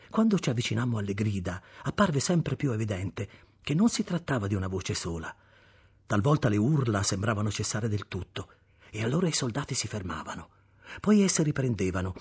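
A man reading a novel aloud with expressive, dramatic storytelling. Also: medium pitch, breathy edge. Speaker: audiobook narrator. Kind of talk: scripted narration.

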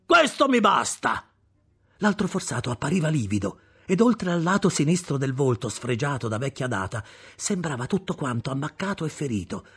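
A man reading a novel aloud with expressive, dramatic storytelling. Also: medium pitch, fairly quick, few pauses, slightly rough. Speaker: audiobook narrator. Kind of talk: scripted narration.

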